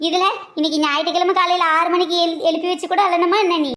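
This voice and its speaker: A woman's voice: very high voice, level tone, fairly bright tone. Woman voicing a cheeky teenage cartoon girl. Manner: teasing, quick joking banter. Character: cheeky teenage girl Priya, a teasing hostel student. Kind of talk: cartoon voice acting.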